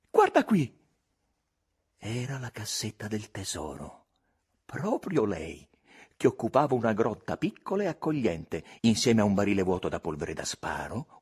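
A man reading a novel aloud as an audiobook, with expressive, varied storytelling. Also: lowish voice, slightly rough. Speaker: audiobook reader. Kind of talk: audiobook narration.

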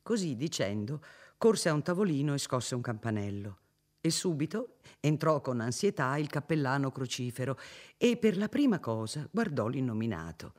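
A man narrating an audiobook of a classic novel in a measured, expressive reading. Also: mid-range voice.

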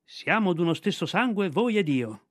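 A man's voice: high voice, big pitch swings, normal speed, no room sound, studio quality. A man voicing a cheeky, boastful boy raised in the jungle. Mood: excited, pleading.

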